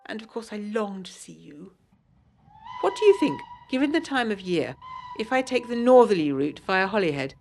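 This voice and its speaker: A woman playing a genteel, proper yet adventurous 1920s Englishwoman, reading a letter in an audio drama with refined, formal, old-fashioned phrasing. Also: medium pitch.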